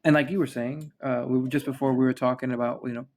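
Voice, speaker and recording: Talking quickly with fairly even intonation, a U.S. podcast host keeps the conversation casual and meandering, full of fillers and restarts. His voice is mid-range and somewhat dark.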